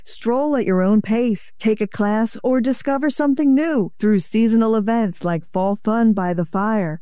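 A woman announcer reading scripted sponsor messages in a smooth, even delivery. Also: medium pitch, no echo, studio quality. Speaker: radio announcer.

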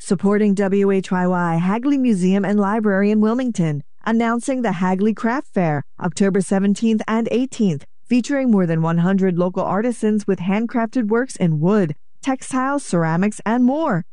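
Woman, radio announcer, sponsor reads, mellow, dry studio. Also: medium pitch, normal speed, hardly any pauses, dry recording.

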